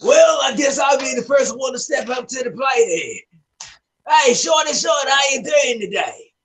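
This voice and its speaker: Woman performing a loud cocky bloke with a fake Australian accent; high and bouncy. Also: expressive, moderate pace. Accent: put-on Australian. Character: brash male bloke with a put-on Australian twang.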